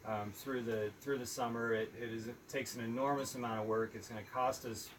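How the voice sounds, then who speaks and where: A soft-spoken man who is a film producer, talking thoughtfully with frequent ums in a casual live chat. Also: mid-range voice, steady tone, a little fast, distant mic, slight background noise. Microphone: phone.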